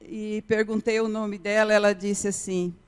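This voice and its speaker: Earnest lady preacher telling a story slow, clean voice, echoey church hall. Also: medium pitch, level tone, clean tone. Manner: earnest storytelling, repeats key phrases. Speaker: missionary preacher. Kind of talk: testimony sermon. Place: church sanctuary.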